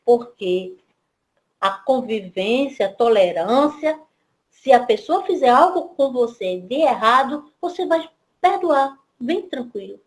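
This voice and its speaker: Lively high-voiced woman giving a spiritist talk. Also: slow. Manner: storytelling, voicing father and daughter in quotes. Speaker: spiritist lecturer. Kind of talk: devotional talk with a parable.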